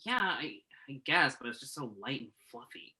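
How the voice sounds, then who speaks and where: A man's voice: mid-range voice, sing-song, normal speed, sharp tone, poor audio. A man acting in a play reading as a self-doubting, sardonic entertainment journalist who puts himself down. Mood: glum.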